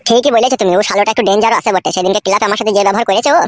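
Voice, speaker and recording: A woman's voice: mid-range voice, racing, close to an everyday voice. A woman voicing a foul-mouthed, scheming young village husband in a cartoon comedy. He is crude and quarrelsome. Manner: crude, quarrelsome, wails when beaten.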